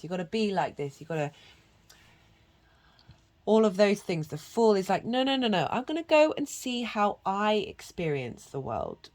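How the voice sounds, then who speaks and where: A woman giving a channelled tarot reading, congested from a cold. She talks in an earnest, meandering way with many restarts and breaks into chanted syllables. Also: deep voice. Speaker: tarot reader.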